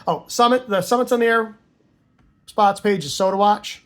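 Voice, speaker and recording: A man with a noticeably high voice teaches in an informal tutorial style. He talks conversationally, like a hobbyist explaining things to newcomers, and often adds short tags to make sure the listener is following. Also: moderate pace, a bit bright. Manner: conversational, checks understanding with tags like "right?" and "okay?". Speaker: amateur radio hobbyist teaching Morse code.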